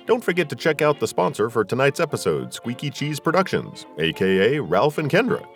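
A man's voice: medium pitch, very animated, fairly quick, faint music behind. A man hosting a podcast in a conversational interview style. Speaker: podcast host.

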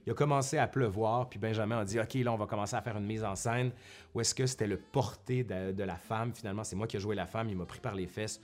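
A man's voice: on the low side, steady tone, fast talker. Chatty man with a Québécois accent. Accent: Québécois French. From Quebec, Canada. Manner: chatty, self-correcting, with colloquial asides. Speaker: history YouTuber and university professor. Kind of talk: casual vlog monologue to viewers. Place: at home in front of a bookshelf.

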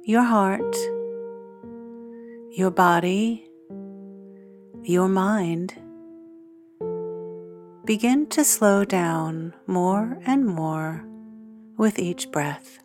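A woman guiding a sleep meditation in a soothing, hushed, measured manner with long pauses between phrases. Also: medium pitch. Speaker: meditation guide, podcast host. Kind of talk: guided sleep meditation narration. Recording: music under the voice. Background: soft guitar and piano music.

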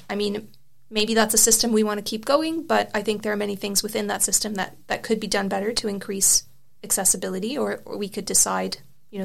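A woman's voice: medium pitch, vocal fry. A young woman whose first language is Serbian, explaining her views thoughtfully as an interview guest. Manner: thoughtful, frequent restarts and fillers. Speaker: interview guest, article author. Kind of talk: conversational interview.

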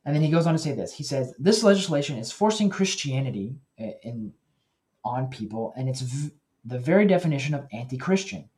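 A man hosting a Christian news commentary show, talking earnestly and directly to his listeners, often pausing and correcting himself. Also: mid-range voice, animated, a little mellow. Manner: earnest, with self-corrections and pauses.

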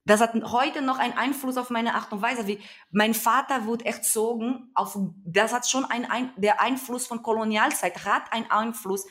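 A woman's voice: a little high, fairly even intonation, normal speed, a bit bright. A young adult woman from Brazil speaking with a Brazilian Portuguese accent, talking earnestly and emphatically as an activist guest in an interview, often searching for her words. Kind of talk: conversational interview.

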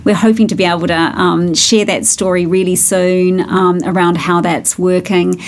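A woman with a New Zealand accent talks in a chatty, easy way and often breaks into laughter. Her voice sits a little low. She peppers her answers with "you know" and "um". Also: flat delivery, moderate pace. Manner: chatty, warm, laughs often, many fillers. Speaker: company founder being interviewed. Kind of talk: business interview.

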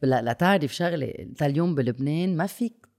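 Higher-pitched Lebanese man bantering. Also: animated, fast talker, a little mellow. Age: middle-aged. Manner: interjecting, with English words mixed in. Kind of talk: casual, animated banter.

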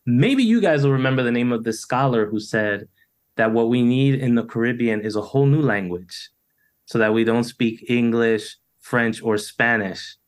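A middle-aged man talks through his ideas over a video call. His voice sits at an ordinary pitch, and his speech is loose and thoughtful, dotted with "you know" fillers and restarts. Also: normal speed. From United States. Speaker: poet, interview guest. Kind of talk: reflective conversational interview.

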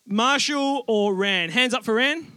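A man in his thirties co-hosting a podcast, wisecracking and quick to laugh. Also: very high-pitched, bright, forceful tone, a little hiss or hum. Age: 30s. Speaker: podcast co-host. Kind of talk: casual comedic chat.

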